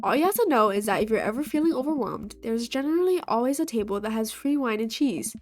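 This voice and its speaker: A woman's voice: a little high, expressive, quick pace. A young woman with a stuffy nose from a cold, playfully reading a dating game aloud and voicing all of its characters as she plays. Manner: playful, reads characters in her own voice. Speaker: gaming video host. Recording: faint game music behind.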